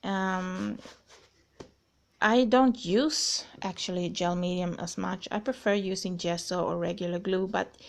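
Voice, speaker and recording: A woman's fairly slow speech in a Swedish accent, medium in pitch with ordinary pitch variation, on a very clean recording with a silent background. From northern Sweden. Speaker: crafter. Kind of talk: tutorial. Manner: halting.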